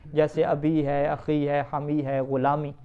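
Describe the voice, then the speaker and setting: A man teaching Arabic grammar to students, asking them questions and answering them himself, reading Arabic quickly and then explaining it. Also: a little high, completely flat delivery, clear, resonant tone. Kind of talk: classroom lesson reading and explaining an Arabic text. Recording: dull, lo-fi recording.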